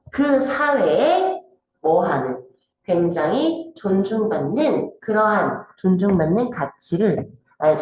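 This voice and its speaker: A woman's voice: medium pitch, darkish tone. A woman teaching an exam-prep English grammar lesson, often checking in with her students. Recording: very echoey room with faint noise.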